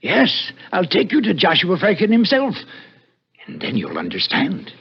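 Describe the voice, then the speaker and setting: An actor playing a nervous, irritable older white-haired scientist, fretful and secretive, in an old-time radio drama. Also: male voice, sits high, huge pitch swings, unhurried, vocal fry, loud music behind the voice, full character voice. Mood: anxious, resigned. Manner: agitated, fretful, brusque. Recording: muffled vintage 1960s radio recording.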